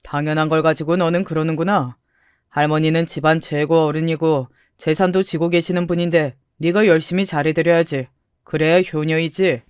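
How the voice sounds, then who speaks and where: A domineering old grandmother, voiced by a woman reading the tale, scolding her granddaughter in a low, commanding tone. The voice is recorded close and dry with no room sound, like a storybook narration. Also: fairly even intonation, normal speed, clear, resonant tone, no room sound, lightly acted. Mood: lecturing.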